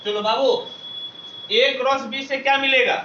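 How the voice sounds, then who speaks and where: High, bright teacher drilling a class. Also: male voice, fairly even intonation, normal speed, recorded from a distance, slight background noise. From Bihar. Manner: call-and-response drilling, loud repeated questions to the class. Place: classroom with students. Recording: echoey classroom recorded from afar, dull sound.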